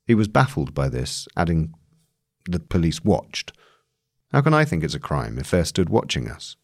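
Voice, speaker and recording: Deep-voiced male narrator, expressive delivery. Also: moderate pace. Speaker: narrator reading a long magazine article. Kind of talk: scripted long-form journalism narration.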